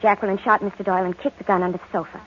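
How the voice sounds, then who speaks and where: An actress playing a jittery, defensive young woman passenger with halting, nervous speech in an old-time radio melodrama. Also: mid-range voice, flat delivery, lightly acted. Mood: uneasy, recounting. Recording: muffled, noisy old radio recording.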